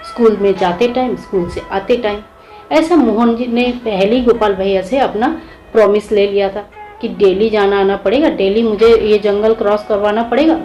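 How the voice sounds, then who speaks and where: A woman's voice: medium pitch, warm tone, lo-fi sound. A woman telling a devotional story in a simple, homely way.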